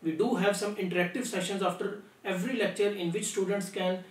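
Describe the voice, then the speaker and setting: High-pitched young man, echoey room. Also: fairly even intonation, a little fast. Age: young adult. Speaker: academic director. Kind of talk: formal scripted promotional address. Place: small office, seated at desk. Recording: echoey room, distant mic.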